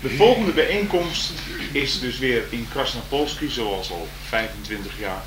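A man's voice: medium pitch, lively intonation, unhurried. A man gives plain, matter-of-fact announcements at the end of a gathering. His voice is heard on old worn tape and rings around a large hall. A thick layer of hiss sits under every word. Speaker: meeting organizer making announcements. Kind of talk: spoken announcement to an audience.

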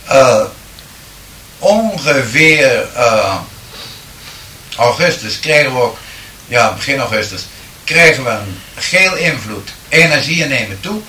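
A man speaking in a measured, deliberate way to an audience, answering their questions and then reciting improvised rhyming verse, with occasional hesitant fillers. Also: medium pitch, animated, sharp tone, a little hiss or hum.

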